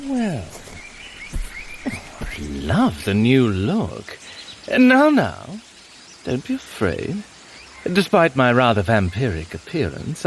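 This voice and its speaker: An actor playing a sly, grandiose, century-old mutant villain in an audio drama, with pompous, silky, drawn-out persuasion. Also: male voice, medium pitch, a little hiss or hum, heavily acted.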